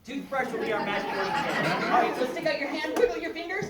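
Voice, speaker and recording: A woman's voice: sits high, very animated, fast, far from the mic, very noisy. A woman performing as a kids party magician, coaxing her young audience along with questions, instructions and countdowns. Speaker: magician hosting a children's show. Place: large indoor room at a public library. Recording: echoey large room from afar, loud crowd. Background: loud crowd of children and adults.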